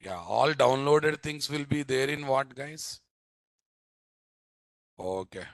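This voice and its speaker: A man's voice: mid-range voice, animated, takes it slowly, no echo. A man with a Telugu Indian accent teaching a live programming class, speaking emphatically, repeating phrases and often quizzing his listeners with short tag questions. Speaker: software instructor.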